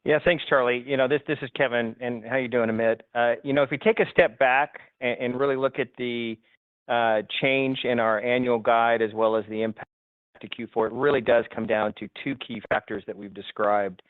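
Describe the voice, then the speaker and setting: A man's voice: medium pitch, steady tone, normal speed, clean tone, no room sound. Businesslike man on a tinny phone line. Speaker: company finance executive. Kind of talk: prepared but spoken answers on an investor conference call.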